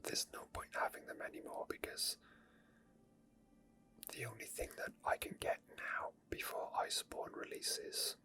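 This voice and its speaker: A creator of gaming ASMR content offers soft, whispered commentary on gameplay with no script, speaking slowly and breathily as they reason aloud.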